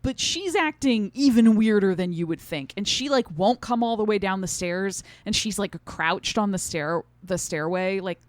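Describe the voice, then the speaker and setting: A woman with a mid-pitched voice talks casually as a podcast co-host. She retells scenes conversationally, slipping into quotes as she goes. The recording is close and dry, with no room sound. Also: expressive, moderate pace, few pauses, dry recording.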